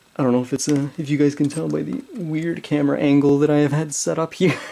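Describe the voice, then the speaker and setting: Noticeable background noise runs through the clip. The delivery is fairly quick. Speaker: toy unboxing youtuber. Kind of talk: casual unboxing video. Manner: quiet.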